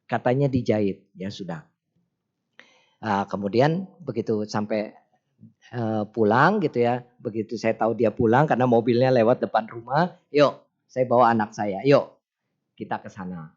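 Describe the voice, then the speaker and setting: A middle-aged man gives a relaxed, chatty sermon, at a medium pitch. He slips into brief snippets of acted-out conversation as he tells everyday stories. The recording sounds slightly dull. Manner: chatty, folksy, acts out dialogue in quick snippets. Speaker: Buddhist teacher giving a Sunday talk. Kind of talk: casual sermon with anecdotes.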